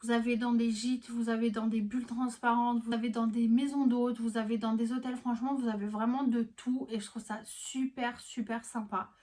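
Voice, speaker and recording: A woman's voice: on the high side, little pitch movement, moderate pace, hardly any pauses, warm tone. A young woman vlogging casually, chatty and enthusiastic, with many fillers and restarts. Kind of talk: casual gift-guide vlog.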